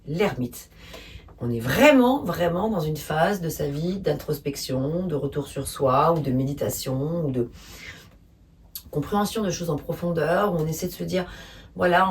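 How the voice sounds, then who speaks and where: A woman giving a spontaneous tarot reading, speaking calmly and gently, hesitating often with fillers. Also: low-pitched, distant mic. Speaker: tarot reader.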